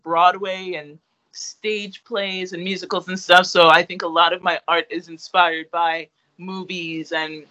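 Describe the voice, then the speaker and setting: Young male interviewee, high and bright, rambling casual talk, slightly muffled audio. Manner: rambling, lots of fillers and restarts, laughs easily. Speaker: interviewee, artist.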